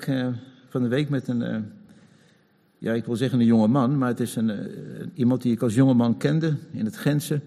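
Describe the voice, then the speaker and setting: A man's voice: mid-range voice, vocal fry, warm tone, big-room sound. A man preaching a sermon in a conversational way, acting out people's complaints. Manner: conversational, chuckling, acts out quoted complaints.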